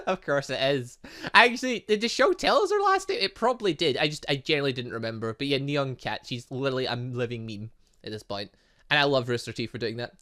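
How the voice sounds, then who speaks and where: A man hosting a gaming video, giving casual, excitable and rambling commentary and stumbling as he reads game text aloud. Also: mid-range voice, fairly quick. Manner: excitable, rambling, stumbles over read lines. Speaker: gaming video host, let's play narrator.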